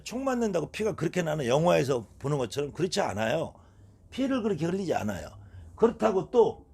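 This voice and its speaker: Animated husky middle-aged man lecturing. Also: sits high. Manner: animated, rhetorical questions. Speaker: shaman lecturer.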